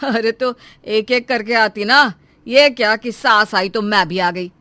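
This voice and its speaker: A woman voicing a polite but firm young husband in a cartoon story, reasoning calmly. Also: a little high, unhurried, no echo.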